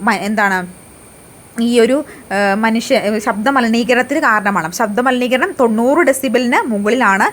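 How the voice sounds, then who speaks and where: A woman leads an exam prep lesson in a fairly high voice. She poses each question and answers it herself, repeating the key facts. Her delivery has frequent hesitations and restarts. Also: moderate pace. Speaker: exam coaching teacher.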